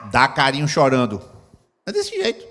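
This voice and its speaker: A man's voice: mid-range voice, wildly swooping pitch, moderate pace, sharp tone, raised voice. A middle-aged man preaching a sermon as pastor, acting out scenes with sound effects. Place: church hall. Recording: long hall reverb.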